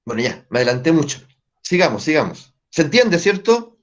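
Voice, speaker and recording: Man, family constellations teacher, explanatory group talk, fairly high voice, frequent tag questions, muffled lo-fi recording. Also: sing-song, moderate pace. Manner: checks in with listeners through frequent tag questions. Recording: dull lo-fi recording.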